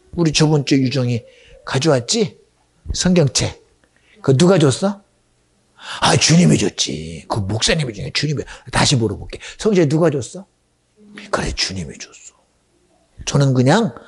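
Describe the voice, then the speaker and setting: A middle-aged man preaching a sermon as pastor, talking directly to his congregation with questions, dropping to hushed asides and rising to shouts. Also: fairly high pitch, vocal fry, slightly rough.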